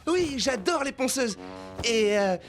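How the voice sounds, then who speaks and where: Earnest, slow-talking cartoon lad. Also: male voice, very high voice, lively intonation, full character voice. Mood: nervously eager. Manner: hesitant, stammering, sincere. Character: earnest, apologetic, eager-to-please young male dog owner. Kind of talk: French-dubbed children's cartoon acting. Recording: music behind the voice.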